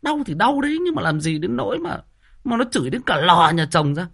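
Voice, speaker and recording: A man's voice: sits high, sing-song, fairly quick, creaky, a bit bright, slightly rough, pitched above the performer's own voice, exaggerated voice. A man voicing a frowning young wife who complains in disbelief. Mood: incredulous.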